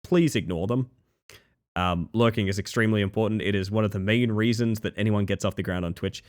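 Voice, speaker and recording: A man's voice: lowish voice, a little fast. A male streamer at the end of a long session, chatting casually with viewers in a sleepy, crackly voice. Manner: friendly, rambling, thanks viewers. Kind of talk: casual stream sign-off chat.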